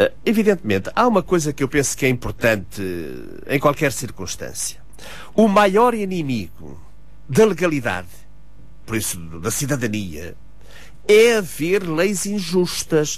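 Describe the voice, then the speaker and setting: A man speaks at a high pitch and a fairly slow pace, his pitch swinging very widely. Music plays in the background. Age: 60s. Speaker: president of accountants' professional body. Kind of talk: radio interview.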